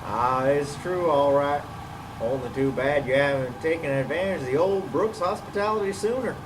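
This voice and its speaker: Man playing a higher-voiced husband, a bit distant. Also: normal speed, natural voice. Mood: cheerful. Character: nervous husband shocked by his wife's murder. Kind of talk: amateur radio-play acting. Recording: distant mic with faint background noise.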